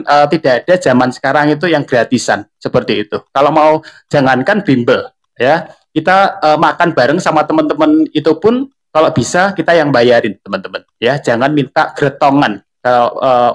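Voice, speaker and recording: A man's voice: on the high side, lively intonation, moderate pace. A young man with a Central Javanese Indonesian accent, an online tutor talking casually on a live stream, chatty and full of fillers. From Central Java. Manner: chatty, filler-heavy, addresses viewers often.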